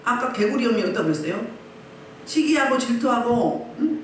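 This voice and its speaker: A woman's voice: fairly high pitch, lively intonation, moderate pace. Woman, pastor, preaching, rhetorical questions, heard from a distance, faint background noise. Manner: emphatic, fires rhetorical questions at the congregation. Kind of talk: sermon at a healing service. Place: church hall. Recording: very echoey hall, mic at a distance.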